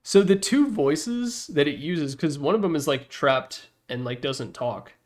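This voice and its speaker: Casual, higher-voiced man giving blunt commentary. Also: animated, measured pace. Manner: rambling, informal, blunt, slangy. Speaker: host ranking video game announcer packs. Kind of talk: casual opinionated commentary over a slideshow.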